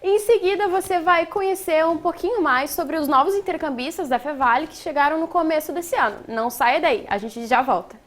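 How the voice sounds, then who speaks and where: A woman hosts a studio talk show. She asks long, chatty questions with a relaxed pace. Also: high-pitched, fairly quick, hardly any pauses. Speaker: show host.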